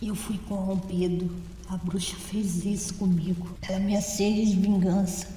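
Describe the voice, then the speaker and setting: A woman playing a corrupted, dying wolf creature in an analog horror story, bitter and unrepentant, speaking gravely. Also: mid-range voice, little pitch movement, a little slow, slight background noise, natural voice. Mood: bitter, mournful. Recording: echoey hall-like reverb, muffled dark tone.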